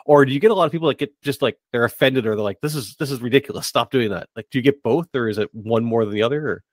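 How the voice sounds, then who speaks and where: Male interviewer, average pitch, casual and halting delivery, dry close sound. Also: no echo. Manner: halting, rephrases questions as he goes. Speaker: podcast host, interviewer.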